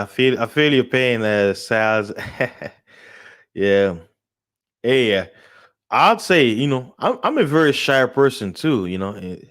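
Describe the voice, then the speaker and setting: A man hosting his own live show, rambling in casual talk, laughing often and jumping up loud and high when excited. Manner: rambling, laughs often, many fillers and restarts. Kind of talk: casual live-stream rant.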